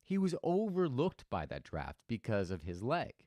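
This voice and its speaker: A man speaks in a reflective, motivational way, telling stories and often restarting his sentences. His pitch swings widely as he talks. The sound is dry and close, with no room around it. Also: huge pitch swings, moderate pace, dark tone, dry recording. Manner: thoughtful, storytelling, with restarts. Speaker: host.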